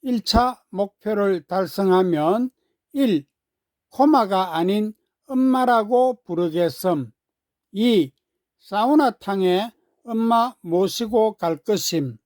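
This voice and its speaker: A woman voicing a bright, curious young girl in a children's story, playful and eager as she teases and cheers on her mom. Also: mid-range voice, lively intonation, slow pace, dry recording, studio quality. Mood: earnest, cheering.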